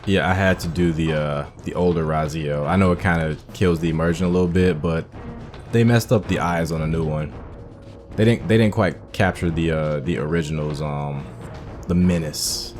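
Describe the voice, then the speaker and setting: Deep-voiced man chatting over gameplay. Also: moderate pace, faint music behind. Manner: rambling, relaxed, many fillers. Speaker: gaming host. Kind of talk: casual gameplay commentary.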